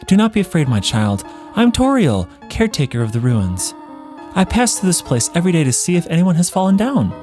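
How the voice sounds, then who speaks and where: A man voicing a gentle, motherly female monster caretaker from a game, doting and formal in manner. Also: on the high side, sing-song, normal speed, soft background music. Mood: kindly. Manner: formal, careful, reassuring phrasing. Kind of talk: game dialogue read-along.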